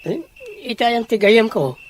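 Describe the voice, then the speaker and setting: A performer playing a young man, a devoted but resentful grandson, in a Filipino audio drama, with a husky voice and a Filipino accent. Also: high voice, lively intonation, moderate pace, a little hiss or hum. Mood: defensive. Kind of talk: Ilocano audio drama acting.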